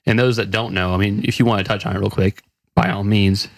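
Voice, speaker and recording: A man's voice: lowish voice, steady tone, fast, creaky, dry recording, clean studio sound. A man co-hosting a podcast in casual chat, talking loosely with swearing and frequent restarts. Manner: loose, profane, rambling with restarts. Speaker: podcast co-host.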